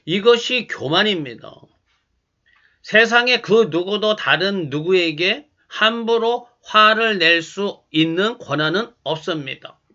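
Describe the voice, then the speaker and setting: Pastor, male, high and sharply bright voice, delivers a calm, teaching sermon on a dull, muffled recording. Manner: calm, measured and instructive.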